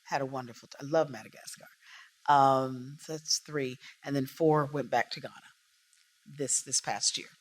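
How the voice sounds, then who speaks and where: A woman's voice: very deep voice, fairly even intonation, moderate pace, poor audio. A woman, a guest in a casual interview, telling stories emphatically and with animation. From United States.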